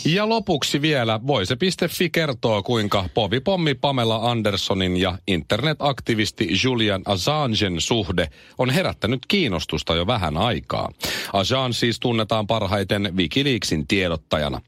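A man in his thirties hosts a morning radio show with a lowish voice that rises and falls a lot as he tells stories. The sound is close and dry, with no room around it. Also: dry recording. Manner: animated storyteller. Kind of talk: radio news and banter.

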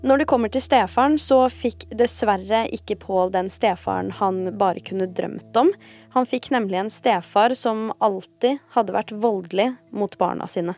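A woman narrates a true crime podcast in a conversational way. Her voice sits at a medium pitch, with faint music playing behind it. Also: darkish tone. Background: background music.

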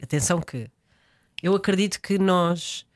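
A woman's voice: lowish voice, moderate pace. A young woman with a European Portuguese accent, an actress being interviewed, speaking reflectively with hesitations and frequent laughs. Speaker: guest, actress. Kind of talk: casual interview chat.

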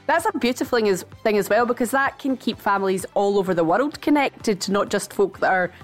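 A woman's voice: mid-range voice, expressive, a little fast, faint music behind. Chatty Scottish woman host. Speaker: radio host. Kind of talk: casual radio interview.

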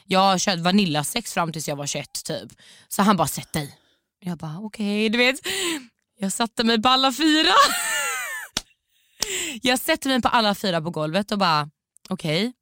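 Animated young woman telling a story. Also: medium pitch, slight background noise. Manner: animated storytelling, mixes in English slang. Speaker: podcast co-host. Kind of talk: casual podcast chat.

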